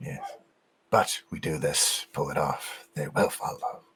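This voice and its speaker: A man speaks in a put-on character voice at a fairly slow pace, with a hissing sound. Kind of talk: tabletop character voice. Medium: actual play. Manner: repetitive hissing agreement, clipped broken speech.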